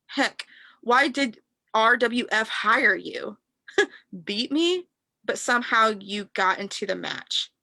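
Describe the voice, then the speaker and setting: A woman playing an arrogant, scornful wrestling prince in a staged promo reading, taunting haughtily and haltingly. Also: a little high, animated, creaky, sharp tone, dry recording, heavily acted. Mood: scornful, boastful.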